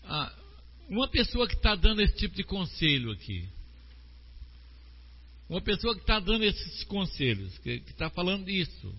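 A man with a Brazilian Portuguese accent preaching a sermon slowly and with emphasis, asking his congregation questions. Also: high-pitched, very animated, husky. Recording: long hall reverb, dull lo-fi sound.

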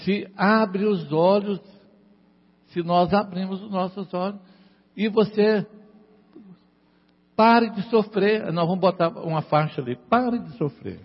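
A man's voice: high-pitched, slow, long pauses, long reverb tail, highs cut off. A man preaching a sermon in a church. He repeats his lines for emphasis and keeps asking the congregation "amen?". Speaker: pastor.

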